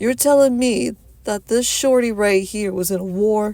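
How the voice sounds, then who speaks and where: Loud and booming, a put-on character voice comes at a moderate pace with a fairly high pitch. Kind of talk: casual slang. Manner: incredulous, blunt.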